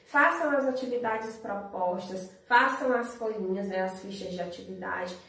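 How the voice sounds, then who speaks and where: A woman's voice: medium pitch, moderate pace, sharp tone. A Brazilian woman teaching a remote lesson to young children, patiently explaining step by step and often checking in with "certo?". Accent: Brazilian Portuguese. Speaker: primary school teacher. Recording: echoey room, voice from a distance.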